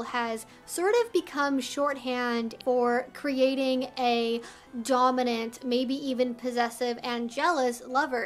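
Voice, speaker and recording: A woman hosting an educational video, explaining things to the viewer in a measured, articulate and instructive way. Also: sits high, fairly bright tone.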